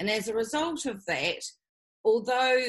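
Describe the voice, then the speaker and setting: In a New Zealand accent, a woman speaks at a fairly slow pace. Her pitch variation is ordinary. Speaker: business consultant. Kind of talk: podcast interview. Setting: video call. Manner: energetic; outspoken.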